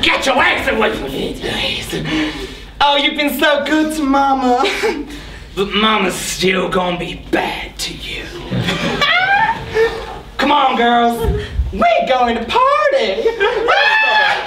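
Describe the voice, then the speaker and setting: A brassy wicked stepmother from a stage pantomime. The voice is very high and swoops about, drawling out its cruelty with glee. It is heard from far off in an echoey hall. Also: very animated, slow pace, long pauses, full character voice. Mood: gloating. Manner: exaggerated sassy drawl, theatrical. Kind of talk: bawdy amateur pantomime acting. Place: theatre stage, recorded from far off. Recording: echoey stage, distant camera mic, hiss.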